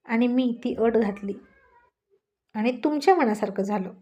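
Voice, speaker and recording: A woman's voice: a little high, measured pace, mellow, close to an everyday voice. A woman voicing a spirited young wife. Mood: upset. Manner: earnest, pleading, argumentative. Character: spirited young wife, earnest and quick to argue.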